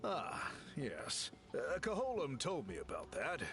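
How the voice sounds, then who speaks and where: A man voicing an earnest, polite tribal chief in a video game, speaking formally and with measured, slightly hesitant courtesy. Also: medium pitch, huge pitch swings, vocal fry, over music, full character voice. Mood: polite, welcoming. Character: earnest, polite male tribal chief, reform-minded and scholarly. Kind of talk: video game story dialogue.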